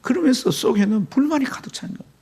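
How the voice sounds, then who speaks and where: A man preaching a Sunday sermon as pastor, telling a story with sudden swings between loud high passages and low hushed ones. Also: expressive, quick pace, vocal fry, slightly rough. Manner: storytelling with sharp swings in pitch and loudness. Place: church sanctuary.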